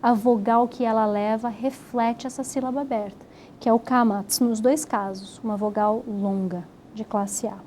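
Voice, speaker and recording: A woman teaching a recorded Hebrew grammar lesson, explaining step by step and sounding out syllables slowly. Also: a little high, steady tone, mellow, slight background noise.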